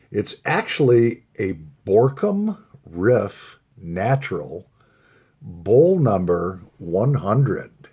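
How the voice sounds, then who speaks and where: Very slow and relaxed, a man with a dark, mellow, somewhat breathy medium-pitched voice makes very wide pitch swings and takes long, frequent pauses. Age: 50s. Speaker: pipe smoking YouTuber. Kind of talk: casual chat. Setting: home. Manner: relaxed, hesitant with fillers.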